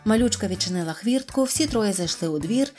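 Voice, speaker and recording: A woman narrating a children's storybook in a clear, even reading voice. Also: mid-range voice, brisk, faint music behind. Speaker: audiobook narrator.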